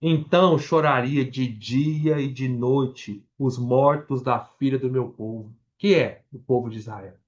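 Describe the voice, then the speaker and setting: A man's voice: mid-range voice, unhurried, few pauses, dull audio. A Brazilian man with a Brazilian Portuguese accent preaching a Bible-study sermon, reading scripture aloud verse by verse, restarting words and explaining as he goes to the congregation. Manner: addresses the congregation directly.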